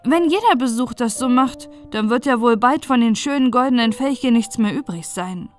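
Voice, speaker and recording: A woman's voice: fairly high pitch, lively intonation, moderate pace, soft background music, natural voice. A woman voicing a fretful, proud fatherly willow bush in a fairy tale, earnest and exclaiming. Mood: worried.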